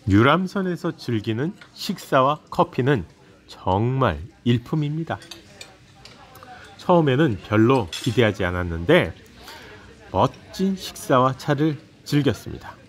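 A man narrating a travel vlog in a calm voice-over with light humor. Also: medium pitch, unhurried.

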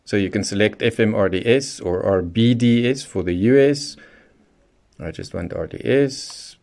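A man's voice: fairly low pitch, moderate pace, creaky, a little mellow. A man presenting a hands-on product tutorial, explaining things methodically, step by step. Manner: methodical, instructional. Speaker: presenter of a radio how-to guide.

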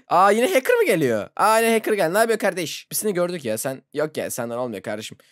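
This gaming YouTuber gives casual let's-play commentary, excitable and laughing often, yelping whenever something startles him. His mid-range voice moves fairly quickly, and the studio-quality recording has no echo.

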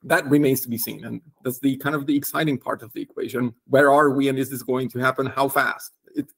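A man's voice: mid-range voice, steady tone, fairly quick, creaky, a bit bright. Thoughtful man explaining on a call. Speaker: guest consultant. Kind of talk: interview discussion. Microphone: video call.

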